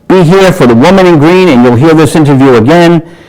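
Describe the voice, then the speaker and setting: Higher-voiced male host signing off. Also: fairly quick, darkish tone, rough recording. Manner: brief, upbeat sign-off announcements. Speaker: show host. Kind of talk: casual studio interview. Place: community TV studio.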